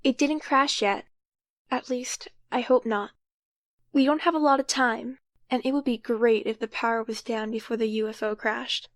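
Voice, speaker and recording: A woman's voice: on the high side, fairly even intonation, moderate pace, dry recording, clean studio sound, lightly acted. A woman playing an earnest, cautious young time traveler who takes charge and explains things carefully in an audio drama. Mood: tense, matter-of-fact.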